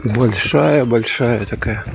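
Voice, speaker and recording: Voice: mid-range voice, slow pace, vocal fry. A vlogger rambling casually and musing aloud in short remarks while walking outdoors by the water. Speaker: vlogger filming a walk. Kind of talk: casual unscripted walking commentary. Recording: noisy outdoor recording, wind and ambience.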